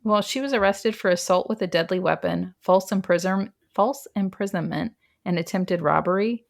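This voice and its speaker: A woman's voice: fairly low pitch, normal speed, gravelly. A woman hosts a casual true crime podcast and walks through the case step by step. Her telling is chatty and wry, often broken by a laugh. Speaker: podcast host.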